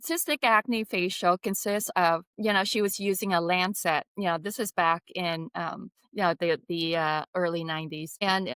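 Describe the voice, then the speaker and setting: A woman in her fifties from Vietnam, telling her story as a podcast guest in a lively, casual way with many fillers. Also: lowish voice, normal speed, hardly any pauses, clean tone, dry recording. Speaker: guest, skincare founder.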